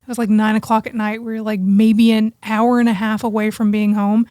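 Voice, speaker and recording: A woman co-hosting a podcast, chatting and telling personal stories in an informal, expressive way. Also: mid-range voice, fairly quick, dry recording, clean studio sound. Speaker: podcast co-host. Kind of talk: casual chat, personal storytelling.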